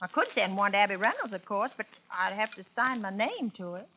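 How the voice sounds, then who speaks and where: An actress playing a bitter, suspicious small-town wife in 1940s radio acting, sarcastic and resentful. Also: female voice, mid-range voice, very animated, fairly quick, pushed and bright, a little hiss or hum, rough recording. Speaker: narrator and lead character.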